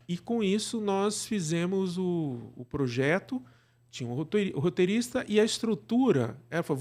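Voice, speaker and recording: A man with a Brazilian accent speaking as an interview guest, conversational and halting, repeating words and adding tag questions. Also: on the high side, darkish tone. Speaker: interview guest, radio drama producer.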